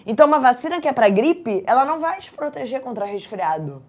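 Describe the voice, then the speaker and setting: A Brazilian woman teaching an exam prep class in a chatty, lively way, often checking in with her students. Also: high voice, fast. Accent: Brazilian Portuguese.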